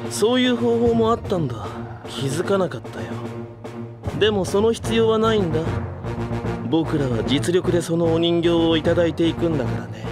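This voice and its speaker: A man acts out a sadistic young swordsman villain in an anime audio drama. His high voice swoops with theatrical, sneering condescension. Music plays behind him. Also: expressive, brisk, lightly acted. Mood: cruel, condescending. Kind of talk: Japanese anime-style audio drama acting.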